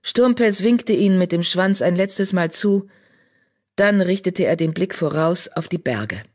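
Steady audiobook narrator. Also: medium pitch, unhurried. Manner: even storytelling. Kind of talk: scripted narration.

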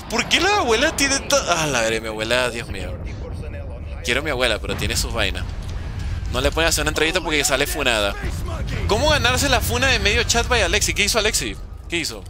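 Young guy streaming, joking with chat, voice bouncing all over, kinda high. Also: brisk, over music. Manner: jokey, reads and answers chat, animated outbursts. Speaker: gaming streamer. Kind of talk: casual live-stream chat while playing.

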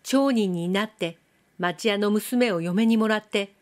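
A woman voicing a resolute, earnest young samurai in an audiobook, speaking firmly and plainly in a slightly lowered voice. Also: measured pace, natural voice. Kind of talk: audiobook reading.

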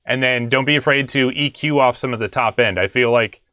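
A man's voice: medium pitch, fairly quick, sharp tone, no room sound. A young adult man hosting a casual music production tutorial, explaining in a laid-back, conversational way. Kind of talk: casual screen-share tutorial. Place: small home studio room.

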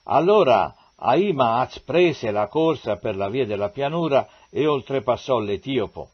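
A man reading scripture aloud in a measured, solemn and dramatic way, in a dull lo-fi recording. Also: mid-range voice, breathy edge. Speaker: Bible reader.

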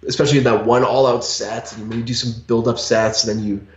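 A man's voice: medium pitch, level tone, fairly quick. A man in his forties co-hosting a fitness podcast, talking emphatically with lots of "you know" fillers, over a headset on a video call. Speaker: podcast co-host. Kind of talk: casual podcast chat. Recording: echoey, slightly dull call audio.

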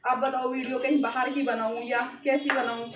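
A vlogger with a high voice narrates her home cooking in a flat, brisk delivery, chatting casually and using many fillers as she explains each step. The setting shifts between her kitchen and rooftop. The sound is roomy, with crowd noise behind her.

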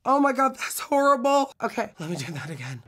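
A young woman with a hoarse, recovering voice and a Dutch accent, chatting dramatically through a makeup tutorial in a studio. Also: a little high, very animated, fairly quick, fairly bright tone, faint music behind. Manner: bubbly, dramatic, self-mocking. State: hoarse from illness. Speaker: beauty vlogger. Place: indoor studio set.

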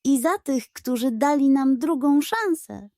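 A woman plays a proud tribal chief from an animal pirate tale. He speaks gravely and slowly, in a lifted storybook voice. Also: high voice, expressive, mellow, no echo, studio quality, voice pushed up. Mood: solemn. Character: two gruff old-rival male tribal chiefs, weary, reconciled.

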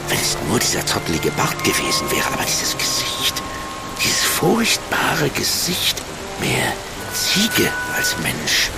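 A man's voice: medium pitch, gravelly, full character voice, rough recording. A nobleman going mad. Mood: haunted. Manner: haunted, feverish, erupting into screams. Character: aristocrat Sir Trellos sliding into madness. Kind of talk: German radio drama acting.

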